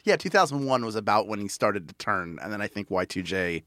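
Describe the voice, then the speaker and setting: A man's voice: lowish voice, sing-song, a little fast, pushed and bright, no echo, studio quality. A man hosting a podcast, talking casually as he recounts history and puts questions to a panel. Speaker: podcast host.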